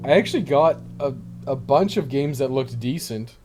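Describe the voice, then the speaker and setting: A man's voice: mid-range voice, animated, normal speed. A man doing casual live game commentary as a streamer, chatting with viewers in an offhand, rambling way as he thinks aloud. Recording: loud guitar game music behind voice. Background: loud game music with plucked guitar.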